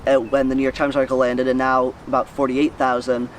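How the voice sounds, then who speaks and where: A man's voice: mid-range voice, monotone, brisk, distant mic, a little hiss or hum. A teenage young man with an American accent answers interview questions casually and earnestly, thinking aloud and repeating words as he goes. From United States, Missouri. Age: teenager, high school student. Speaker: student newsletter writer, interviewee.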